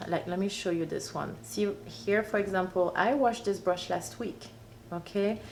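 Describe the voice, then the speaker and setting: A woman's lively intonation. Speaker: hair care YouTuber. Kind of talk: tutorial. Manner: casual, chatty.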